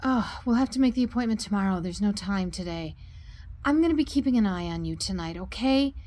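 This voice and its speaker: An actress playing a level-headed, protective woman doctor in an audio drama, explaining things in a measured, concerned way. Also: medium pitch, lively intonation, darkish tone, natural voice. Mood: concerned, firm.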